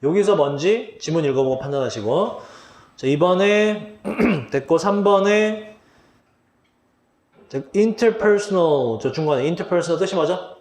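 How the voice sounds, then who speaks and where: In an echoey room, a man speaks slowly and animatedly while teaching English vocabulary for an exam, asking his students questions and answering them himself. His voice is on the high side and a little mellow.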